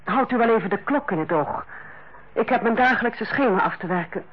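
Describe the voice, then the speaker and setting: A woman's voice: on the high side, lively intonation, fairly quick, breathy edge. An actress in a Dutch radio play as a proud, rigid female head nurse, easily wounded and irritable, speaking in clipped, formal phrases. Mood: stiff, impatient. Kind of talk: Dutch radio drama acting. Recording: dull, noisy old radio recording.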